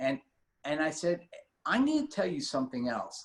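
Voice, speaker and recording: This man's voice has vocal fry and swings very widely in pitch. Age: 60s. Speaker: cosmetic dentist. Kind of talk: interview. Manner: halting.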